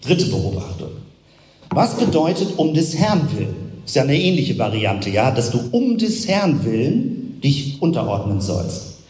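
Male preacher, animated explanatory delivery, long hall reverb. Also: medium pitch, a little slow, slight background noise. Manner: explanatory, builds up with rhetorical questions. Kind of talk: sermon with close reading of Bible verses.

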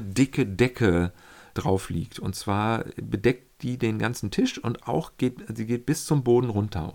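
A man telling a casual, reflective account of his pilgrimage, often pausing and searching for the right words. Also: mid-range voice, vocal fry. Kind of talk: casual spoken travel account.

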